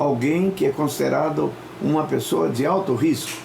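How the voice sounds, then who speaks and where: The man's delivery is fairly slow. Behind him there is noticeable background noise and audible echo from the room. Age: 70s. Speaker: pastor. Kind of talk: sermon. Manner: halting.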